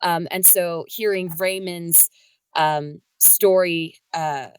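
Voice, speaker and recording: A woman's voice: on the low side, steady tone, slow, a little hiss or hum. A woman talking casually as a panelist in a podcast discussion. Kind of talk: casual behind-the-scenes discussion.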